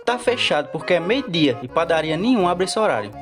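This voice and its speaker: A cocky, scheming bakery hand played by a man with a Northeastern Brazilian accent. His fairly high voice swings up and down, brash and scolding in radio soap style, with music clearly underneath. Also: big pitch swings, fast. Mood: exasperated, scolding. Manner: brash, exasperated, colloquial. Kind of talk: radio soap opera acting.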